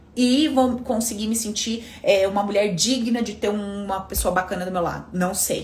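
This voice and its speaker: A woman's animated, somewhat breathy voice at a medium pitch, with audible room echo. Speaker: self-development coach. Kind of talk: live stream talk. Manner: fast.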